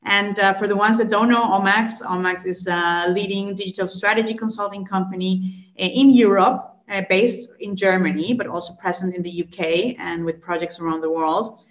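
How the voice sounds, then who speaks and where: Colombian-born woman in her thirties, explanatory guest, average pitch, dull echoey call audio. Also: fairly even intonation, normal speed, hardly any pauses. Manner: fluent, explanatory, frequent "right?" and "um" fillers. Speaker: guest, consulting executive. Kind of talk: podcast interview answers.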